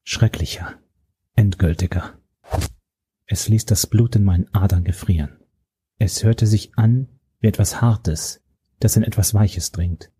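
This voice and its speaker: Man, audiobook narrator, first person, grave, steady, low, husky. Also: unhurried.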